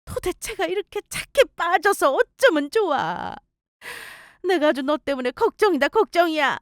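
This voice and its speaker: A meddlesome middle-aged mother-in-law scolds in a shrill, self-righteous voice, put on by a woman reading a story radio drama. Her pitch sits high and swings widely. The sound is dry and close. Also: animated, normal speed, dry recording. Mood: scolding.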